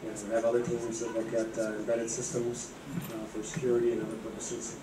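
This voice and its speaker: Flat-voiced man in his fifties explaining. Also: medium pitch, moderate pace, a loud crowd. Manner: steady, explanatory, with "you know" fillers. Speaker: guest lecturer. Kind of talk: explanatory talk. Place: university seminar room. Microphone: handheld mic. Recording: echoey room from a distance, clear background noise.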